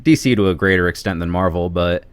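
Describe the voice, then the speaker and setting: A man's voice: low voice, quick pace, smooth, no echo. A man chatting casually as a podcast guest in a laid-back, self-deprecating way. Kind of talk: casual chat.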